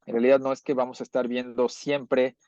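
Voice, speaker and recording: A man's voice: medium pitch, level tone, brisk, a little mellow, no echo. A man teaches a class over a video call, explaining step by step and checking in with his students. His voice sits in a middle range. The audio is dull and lo-fi, with a dry, close sound. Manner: explanatory, checks understanding with tag questions. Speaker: language teacher. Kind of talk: online class lecture.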